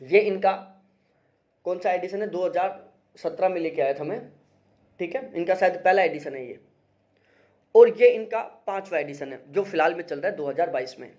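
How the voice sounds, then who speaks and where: A man's voice: high-pitched, normal speed, long pauses, darkish tone. A young man, an exam-prep teacher, talking through study books in a casual, emphatic way and often checking in with his listeners. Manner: emphatic, repeats advice, frequent "theek hai" check-ins. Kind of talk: casual explanatory review.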